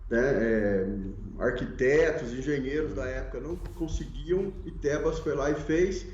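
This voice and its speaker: A man with a São Paulo accent, a tourism consultant who answers interview questions in a measured, explanatory way and often adds tag questions. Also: mid-range voice, darkish tone, slight background noise. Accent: São Paulo Brazilian Portuguese. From Brazil. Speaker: guest, tourism and social responsibility consultant. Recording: roomy, slightly dull sound.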